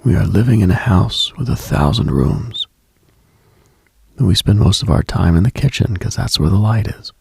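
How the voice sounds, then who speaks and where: Male late-night host, heavy vocal fry, very dry close sound; intimate, husky, unhurried, contemplative ASMR-style delivery. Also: on the low side, lively intonation, no echo. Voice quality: husky, gravelly, breathy. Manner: hushed, unhurried, contemplative, addresses listener directly.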